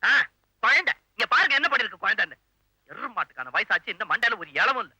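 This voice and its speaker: Irritable young man, scolding, exasperated, bright sharp voice, dry sound. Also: high voice, big pitch swings, husky, no room sound, full character voice, poor audio. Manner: exasperated scolding, quick grumbling. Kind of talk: 1980s film acting.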